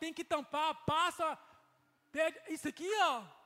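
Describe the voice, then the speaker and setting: A man speaks in a raised, projected voice, extremely high in pitch and animated in tone. He talks fairly slowly with ordinary pitch variation over noticeable background noise. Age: 30s. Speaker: preacher. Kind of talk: sermon. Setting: church.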